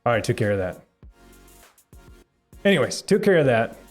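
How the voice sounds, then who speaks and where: A young man hosting a live tech stream, answering viewer chat in a rambling, halting way with lots of fillers and restarts. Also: mid-range voice, big pitch swings, faint music behind. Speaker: tech livestream host.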